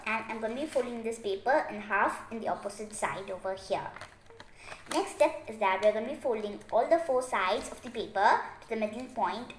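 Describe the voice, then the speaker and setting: Higher-voiced woman in an echoey room. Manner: chatty, instructive, repeats instructions. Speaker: craft tutorial host. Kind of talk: step-by-step craft tutorial narration. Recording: echoey room, faint noise, clicks.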